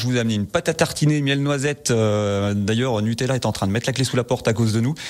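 Recorded very cleanly against a silent background, a man at medium pitch talks at a very fast pace. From Savoie, French Alps. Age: 40s. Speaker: beekeeper. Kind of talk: radio interview.

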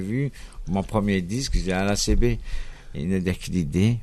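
A man speaks very slowly, with a quiet background behind him. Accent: Algerian. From Kabylie, Algeria. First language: Kabyle (speaking French). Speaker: singer. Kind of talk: radio interview. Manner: halting.

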